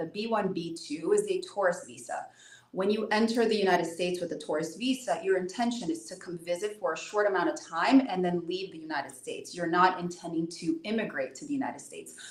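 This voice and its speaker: A woman with a medium pitch talks at a fairly quick pace with hardly any pauses and lively intonation, her loudness swinging widely over noticeable background noise. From Brazil, moved to US around age 9. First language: Portuguese. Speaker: immigration attorney. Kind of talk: interview.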